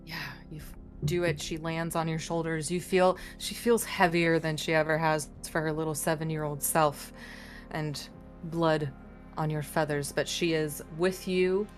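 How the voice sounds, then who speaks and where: Woman dm running a tabletop game, lowish voice, calm rulings, faint music behind. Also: unhurried. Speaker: dungeon master.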